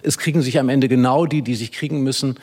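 Husky man analyzing a novel. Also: medium pitch, quick pace. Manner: analytical, steady. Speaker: literary critic panelist. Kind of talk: radio panel discussion.

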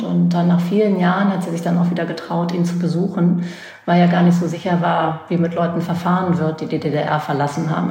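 A woman in her forties from Berlin, speaking low and flat with a gravelly edge. She tells personal memories as an interview guest, often pausing to look for the right words. Her mellow voice sits in an echoey room. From West Berlin, Germany. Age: 40s. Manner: thoughtful, searching for words, frequent restarts. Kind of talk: reflective personal storytelling.

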